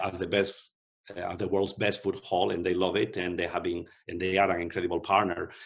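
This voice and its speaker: Gravelly Spanish-accented businessman, low voice. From Spain. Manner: thoughtful, restarts often with fillers. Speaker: company executive. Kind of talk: interview answers.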